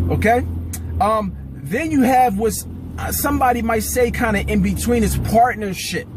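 Noticeable background noise with a dry sound and no echo. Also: man. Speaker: rideshare driver vlogger. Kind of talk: casual vlog chat. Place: car. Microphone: phone near.

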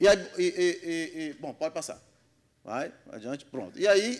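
A man talks rather slowly with a quiet background. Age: 40s. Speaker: university technology transfer coordinator; conference presenter. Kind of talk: conference talk. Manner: halting, many fillers. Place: hall. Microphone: podium.

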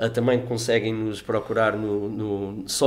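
Monotone, flat intonation from a man with a medium pitch, at a fairly slow pace. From United States, raised by Portuguese parents. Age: 50s. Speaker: doctor and musician; podcast guest. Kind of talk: casual chat. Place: studio. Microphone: studio mic.

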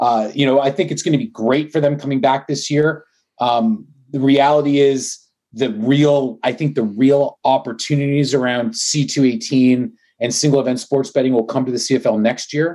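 Fairly high male voice with a Canadian accent, dark and mellow in tone, at a moderate pace with ordinary pitch variation over a quiet background. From Quebec. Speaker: sports betting executive; podcast guest. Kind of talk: interview. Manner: halting. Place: home room. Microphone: video call.

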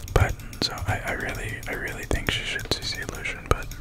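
A whisper at a moderate pace. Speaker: ASMR gamer and streamer; ASMR gamer, streamer. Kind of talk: whispered gameplay commentary. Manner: whispered. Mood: mildly frustrated. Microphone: studio mic.

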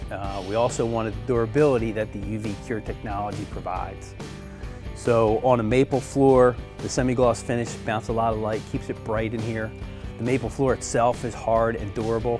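A man talks at a fairly quick pace with fairly even intonation. Clear music plays in the background. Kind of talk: business video log explanation. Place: workshop.

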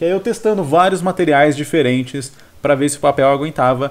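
A man talks fairly quickly, his pitch rising and falling in an ordinary way. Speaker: teacher. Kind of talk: casual vlog chat. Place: home room. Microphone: webcam.

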